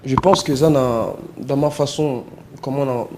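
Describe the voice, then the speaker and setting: A male musician talks loosely in an interview, pausing and restarting as he thinks, with Lingala words mixed into his sentences. His voice sits in an ordinary middle register. A faint hiss of noise runs underneath. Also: medium pitch. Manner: relaxed, hesitant, mixing in Lingala words. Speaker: musician guest. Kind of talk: casual interview talk.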